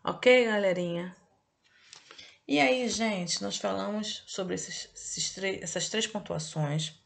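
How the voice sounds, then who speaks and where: A woman's voice: medium pitch, creaky. A woman teaching a recorded review lesson to children. She talks in a didactic way, stretches key words and often checks in with short "okay?" tags. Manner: didactic, drawn-out emphasis, checks in with "ok?" and "tá?".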